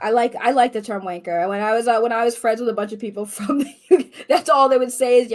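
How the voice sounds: With a Boston accent and ordinary pitch variation, this voice moves at a very fast pace with hardly any pauses over noticeable background noise. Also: woman, fairly high pitch for a woman.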